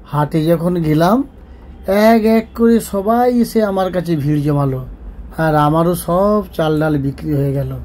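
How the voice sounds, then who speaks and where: A man playing a poor, kindly village father in a cartoon, speaking gently and affectionately. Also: a little high, close to an everyday voice. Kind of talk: Bengali cartoon story dialogue.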